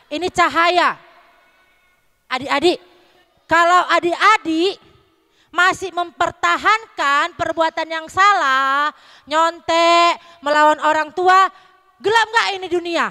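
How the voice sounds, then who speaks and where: A very high-voiced woman with a North Sumatran Indonesian accent teaches kids a Christmas Sunday school lesson in a church hall that echoes. She goes slowly, pausing often, yet stays lively as she quizzes the children.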